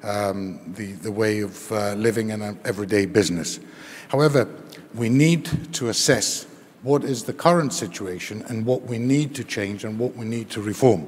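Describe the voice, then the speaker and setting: A man has an unremarkable speaking voice, fairly low in pitch with ordinary variation. He speaks at a moderate pace. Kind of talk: panel talk. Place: stage. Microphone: lapel.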